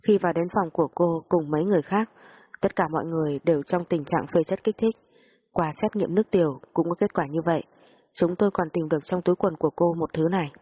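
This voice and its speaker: A woman reads a first-person story at a steady pace. Her voice is low and husky. The recording sounds dull and lo-fi. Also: quick pace. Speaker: story narrator.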